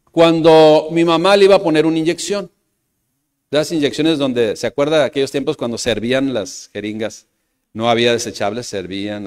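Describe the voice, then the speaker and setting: A man with a Mexican Spanish accent preaching a sermon to a congregation, repeating phrases and calling out to the brothers and the church, moving between loud emphatic bursts and soft low asides. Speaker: pastor.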